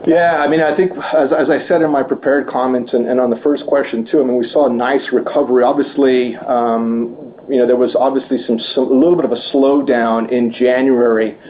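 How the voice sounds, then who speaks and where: A male executive answers questions on an earnings call. His pitch moves little and he halts and repeats words as he builds each point. The sound is muffled, with a faint noise behind him. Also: fairly even intonation. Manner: halting, repeats words as he goes. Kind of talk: answering analyst questions on a business conference call. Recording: muffled conference line with background noise.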